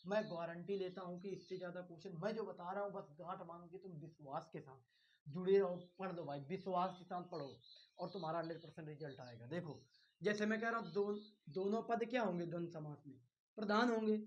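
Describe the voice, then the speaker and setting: A man's voice: sits high, brisk, muffled recording, slight background noise. A male teacher giving an exam-prep grammar lecture, repeating key terms, firing questions at his students and coaxing them along. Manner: reassuring, coaxing with "bhai".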